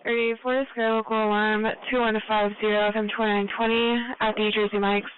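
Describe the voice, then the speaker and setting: A woman's voice: mid-range voice, little pitch movement, brisk, a little hiss or hum. A woman working as a police radio dispatcher, reading out calls in clipped, procedural, matter-of-fact phrases over the radio. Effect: police radio transmission. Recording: tinny phone-like police radio audio.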